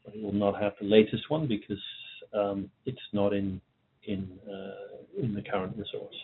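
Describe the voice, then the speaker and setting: A man with a fairly low, slightly husky voice speaks as a company executive on an earnings call. He is halting and often repeats words. The sound is narrow, like a phone line. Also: steady tone. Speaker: company executive answering analysts. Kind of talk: earnings call question and answer.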